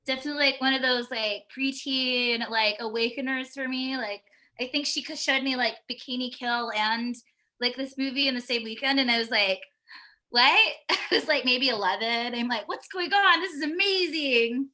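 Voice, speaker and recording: Casual female storyteller, high bright voice, chatty and slangy, swears freely, video-call sound. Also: moderate pace. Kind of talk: casual group chat.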